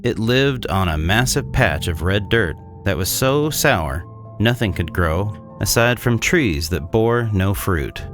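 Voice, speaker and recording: A man playing a cynical, disdainful 1800s swindler, narrating a gothic horror tale in a measured, condescending way. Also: low-pitched. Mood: disdainful, brooding. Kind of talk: scripted dramatic horror narration.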